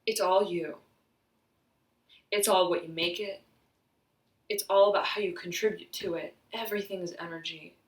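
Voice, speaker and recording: A woman giving an intuitive tarot reading, halting and searching as she talks, slightly hoarse, often saying "right" and "I'm hearing.". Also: on the low side, fairly even intonation, far from the mic. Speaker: tarot reader. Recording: roomy echo, voice off-mic.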